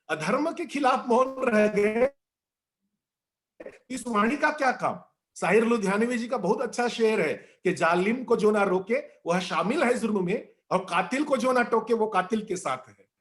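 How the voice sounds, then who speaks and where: A man speaking as a guest in a discussion, giving a measured, teacherly talk and reciting verses and couplets along the way. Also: sits high. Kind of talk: didactic talk on the art of speaking.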